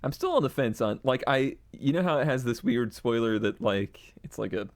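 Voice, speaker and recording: A man's voice: mid-range voice, expressive, moderate pace. A man co-hosting a casual podcast chat about old project cars, joking and laughing often. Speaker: podcast co-host.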